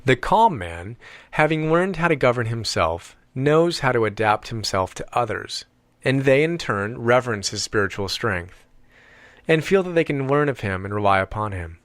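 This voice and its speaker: A man reading an audiobook as scripted narration, with measured, deliberate phrasing and emphatic pauses. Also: mid-range voice, expressive, a bit bright, dry recording.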